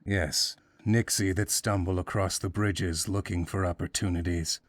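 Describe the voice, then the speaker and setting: Low, level-voiced stern guide. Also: male voice, dry recording, clean studio sound. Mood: grave, level. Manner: calm, level, measured delivery. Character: calm, curt male guide, stern and unflappable. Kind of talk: visual novel game voice acting.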